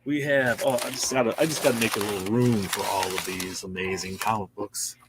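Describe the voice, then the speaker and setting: A man's voice: on the low side, fairly even intonation, a little fast, background noise. A man in his sixties hosting a casual show-and-tell of new comics in a store, chatty and easily impressed. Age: 60s. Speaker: comic shop host.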